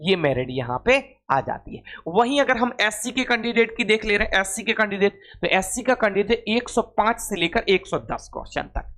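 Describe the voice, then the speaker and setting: A man's voice: high voice, animated, moderate pace, fairly bright tone. A man teaching an informal exam-prep class, repeating phrases and asking questions that he then answers himself.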